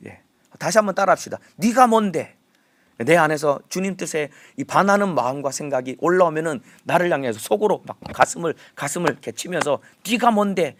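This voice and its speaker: A man's voice: fairly high pitch, fast talker, fairly bright tone. A male pastor with a Gyeongsang accent giving an emphatic early morning sermon and leading the congregation in repeating phrases. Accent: Gyeongsang Korean. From Gyeongsang region.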